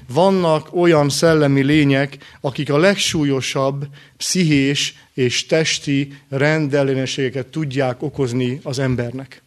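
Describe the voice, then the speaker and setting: A man preaching a sermon in short, earnest phrases with rhetorical questions and pauses. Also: mid-range voice.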